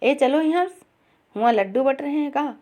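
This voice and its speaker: A woman's voice: fairly high pitch, a little slow. A woman voicing a greedy, bossy old aunt. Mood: scolding. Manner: haggling, bossy.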